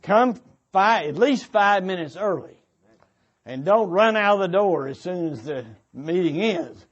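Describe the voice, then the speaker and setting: A high-pitched male church speaker gives an earnest, sermon-like exhortation to a congregation, sometimes repeating or reworking his phrasing. The recording is muffled.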